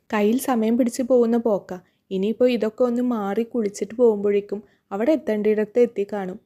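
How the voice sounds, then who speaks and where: A woman narrating a romantic novel in a steady, unhurried storytelling manner. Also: fairly high pitch. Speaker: audiobook narrator.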